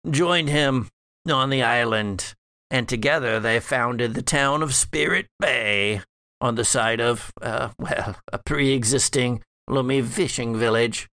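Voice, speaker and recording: Man voicing undead family patriarch, sardonic, theatrical, chuckling, gravelly, unhurried, horror roleplay. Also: medium pitch, sharp tone, no room sound, studio quality, exaggerated voice. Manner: theatrical, drawling, chuckling between phrases. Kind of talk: in-character monologue in horror tabletop game.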